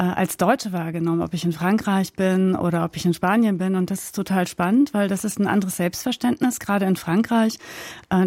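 A woman with a mid-pitched, mellow voice, recorded dry in a radio studio. She answers interview questions earnestly, with frequent fillers and restarts as she searches for words. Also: no room sound. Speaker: studio guest, author.

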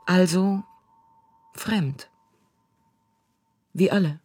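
A woman giving a measured, deliberate reading of a poetic literary text. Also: on the low side, a little mellow. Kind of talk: slow poetic reading over music. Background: faint music.

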